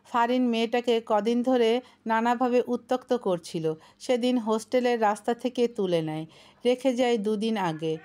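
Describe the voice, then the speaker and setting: A young woman narrating a story in an expressive, scripted storytelling manner. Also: fairly high pitch, normal speed.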